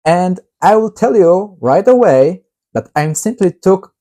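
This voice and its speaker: Guy reading his own novel out loud, warm mellow tone, steady with lots of little pauses. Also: high voice. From Poland. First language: Polish. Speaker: author.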